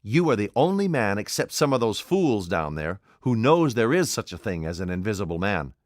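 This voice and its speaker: A man's voice: on the low side, very animated, normal speed, dry recording, studio quality. Man voicing a curt, commanding invisible man. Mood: intense. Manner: curt, imperious, cold. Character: commanding, desperate invisible man, adult male. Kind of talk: audiobook character voice.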